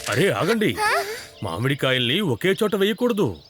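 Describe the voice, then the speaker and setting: A man playing a kindly, patient father in a children's cartoon, speaking in an instructive, deliberate way. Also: fairly high pitch, sing-song. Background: prominent music.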